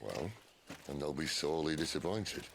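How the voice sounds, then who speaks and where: An actor playing a gruff, wry older outlaw leader in a fantasy game, with a British accent and unhurried, understated delivery. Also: male voice, a bass voice, animated, background noise, exaggerated voice. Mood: wry, measured. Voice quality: gravelly. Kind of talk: fantasy video game voice acting. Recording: music behind the voice.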